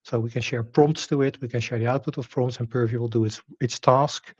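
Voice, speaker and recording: A man's voice: mid-range voice, fairly even intonation, brisk, darkish tone, breathy edge, no room sound, lo-fi sound. A man whose native language is Dutch, giving a technical presentation, explaining with rhetorical questions, fillers and restarts.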